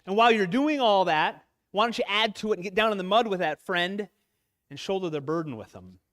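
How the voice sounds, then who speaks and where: Lively high-voiced man preaching earnestly. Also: fairly quick. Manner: earnest, emotional, choking up. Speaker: lay preacher at a men's church talk. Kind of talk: sermon. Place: church sanctuary.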